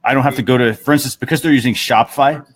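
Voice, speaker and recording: Male co-host, average pitch, informal explanatory commentary, conversational delivery. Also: fairly even intonation, very fast. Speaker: talk show co-host.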